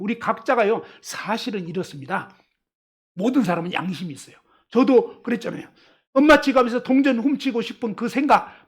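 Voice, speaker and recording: Woman preacher, higher-pitched and husky, animated delivery that quizzes the congregation. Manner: animated, asks the audience questions, acts out quotes. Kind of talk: sermon.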